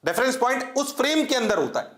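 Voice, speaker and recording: A man's voice: very high-pitched, big pitch swings, quick pace, fairly bright tone. A man from India teaching a physics class in a lecture style, firing questions at students, answering them himself, and checking again and again that they understand. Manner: mixes English terms into Hindi speech, repeats checks for understanding. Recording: echoey classroom.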